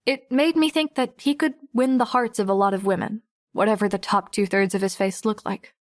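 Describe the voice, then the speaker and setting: A woman voices a teenage girl superhero telling her own story for an audiobook. She sounds introspective, guarded and a little weary, at a medium pitch, recorded dry and close. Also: steady tone, fairly quick, no room sound, natural voice. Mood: reflective. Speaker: narrator and lead voice actor. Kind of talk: first-person audiobook narration.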